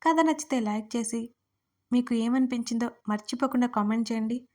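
A woman narrates a romance audio story in a calm, measured reading voice. Her pitch sits a little high for a woman. She keeps an even storyteller's pace between the characters' lines.

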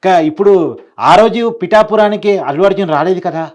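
A man's voice: sits high, moderate pace, darkish tone. A man speaking as a political editor in an unscripted news discussion, emphatic, repeating phrases and posing rhetorical questions. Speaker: political editor giving analysis.

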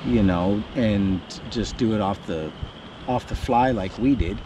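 A middle-aged man talks in a blunt, storytelling way from a camp chair in a yard. The camera sits a few meters off, so the sound is open and outdoorsy. Steady background noise runs under his voice. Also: fairly low pitch, a little slow. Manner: blunt, storytelling, animated when recounting. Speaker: homesteading vlogger. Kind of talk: casual chat. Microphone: camera a few meters away. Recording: noisy outdoor camera audio.

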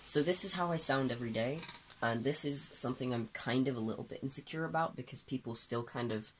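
Just awake and still groggy, a late-teen trans man vlogs from a small bedroom and later a bedroom desk, phone at arm's length. He speaks briskly at a medium pitch in a husky, slightly bright voice, rambling candidly with lots of fillers and restarts. The recording is low quality.

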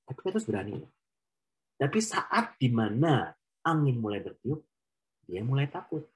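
Casual preaching man, mid-pitched voice. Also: very animated, normal speed, low-quality recording. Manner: conversational, mixes English phrases into preaching. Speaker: prayer meeting speaker. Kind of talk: casual sermon.

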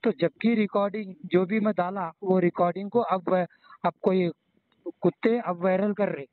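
A man's voice: sits high, steady tone, moderate pace, no echo. A man with a Hyderabadi accent explaining himself deferentially and repetitively as a caller on the phone. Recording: tinny narrowband phone line.

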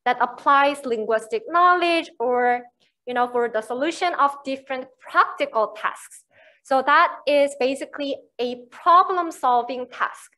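Korean-accented woman teaching a uni class, slow and patient, lots of "you know, right?". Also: high voice, a bit bright. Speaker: lecturer. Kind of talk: university lecture.

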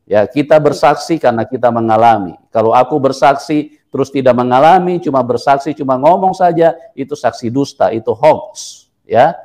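A man's voice: medium pitch, moderate pace, darkish tone. A middle-aged man, hosting a testimony interview as a pastor in an exhortatory way, repeating phrases for emphasis. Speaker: host, pastor. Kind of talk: testimony interview, preacherly talk. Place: indoor room, seated, on a video call.

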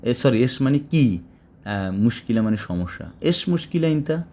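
A man with a Bangladeshi Bengali accent teaching spoken Arabic, slowly repeating phrases and explaining each word. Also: medium pitch, very animated, dark tone. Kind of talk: spoken language lesson.

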